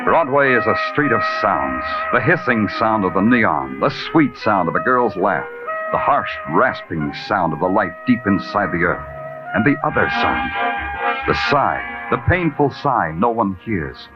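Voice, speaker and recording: A tough, terse police detective in an old radio drama, low voice that still rises and falls a lot. He talks in a hard-boiled, brooding way. Loud dramatic music sits behind him on a muffled, dull old broadcast. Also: big pitch swings, a little slow. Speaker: detective and narrator. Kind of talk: 1940s radio acting.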